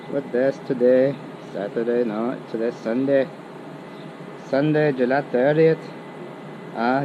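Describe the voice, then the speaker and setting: Young male student vlogger, fake Irish accent, mid-pitched, self-deprecating mutter, outdoor street noise. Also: muffled recording. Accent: put-on Irish. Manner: self-mocking, muttering to himself. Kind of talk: casual walking vlog commentary. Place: outdoors on city streets and a campus.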